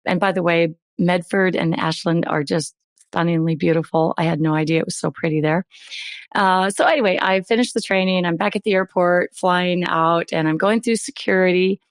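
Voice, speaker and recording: A middle-aged woman hosting a podcast with a hoarse voice that is still recovering, chatting in an upbeat way. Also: lowish voice, steady tone, normal speed, no room sound, clean studio sound. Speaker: podcast host. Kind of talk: podcast intro, casual chat.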